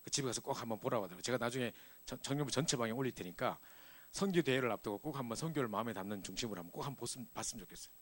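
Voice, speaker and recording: A middle-aged man preaching to a church youth group, telling a personal story in a lively, animated way. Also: mid-range voice, racing. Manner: animated storytelling, acts out scenes. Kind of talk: sermon with personal testimony.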